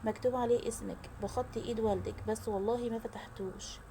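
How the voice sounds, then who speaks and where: Woman doing a timid young nurse, Egyptian accent, fearful, mellow, fast. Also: a little high, fairly even intonation, a little hiss or hum, close to an everyday voice. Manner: fearful, pleading.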